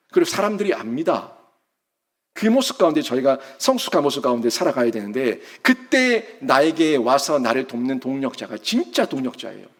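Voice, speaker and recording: A male pastor delivers a sermon in a high voice that swings widely in pitch. He preaches emphatically and keeps throwing rhetorical questions at his congregation. His delivery stays animated throughout.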